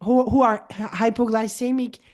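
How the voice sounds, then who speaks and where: This wellness coach host is a woman in her forties whose first language is French. Her slightly high voice keeps a moderate pace through a casual conversation in which she's animated, repeating words, restarting and frequently performing quoted dialogue.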